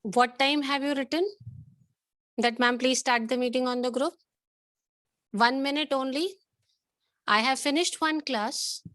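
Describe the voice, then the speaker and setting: High-voiced South Asian woman, stern teacher. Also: steady tone, unhurried, long pauses, a bit bright, no room sound, clean studio sound. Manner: stern, insistent questioning. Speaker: schoolteacher. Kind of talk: online class talk to pupils.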